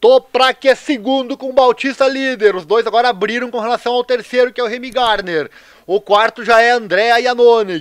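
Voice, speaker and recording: Shouting in an extremely high pitch, a man speaks at a moderate pace over a quiet background, the sound dry with no echo. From Brazil. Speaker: motorsport commentator. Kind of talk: live race commentary, excited play-by-play. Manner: shouting, urgent, short exclamatory bursts.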